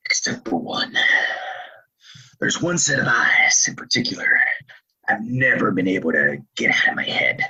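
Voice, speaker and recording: An actor playing a cruel, dying outlaw in a Western audio play, taunting in a folksy drawl with a gravelly rasp. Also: male voice, fairly low pitch, very animated, moderate pace, pauses often, bright, forceful tone, highs cut off, exaggerated voice. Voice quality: raspy, gravelly. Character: dying sadistic male Old West outlaw, taunting and remorseless.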